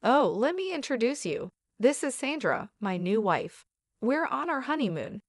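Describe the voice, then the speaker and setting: A woman's voice: fairly high pitch, sing-song, normal speed, dry recording, studio quality. A woman voicing a smug, boastful young ex-husband who sneers and gloats in a storybook narration. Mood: gloating.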